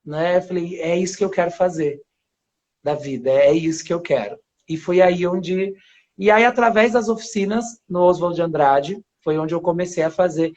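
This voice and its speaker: A man from Paraíba who grew up in São Paulo and speaks with a São Paulo accent, a guest actor chatting casually in an interview, rambling with restarts and soft laughs. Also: high-pitched, moderate pace. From Paraíba, Brazil. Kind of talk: casual interview on a live stream. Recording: dull lo-fi live stream audio.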